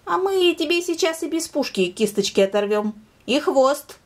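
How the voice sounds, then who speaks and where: A woman voicing an earnest, gentle little bear cub in a storybook reading. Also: high voice, big pitch swings, normal speed, voice pushed up. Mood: defiant.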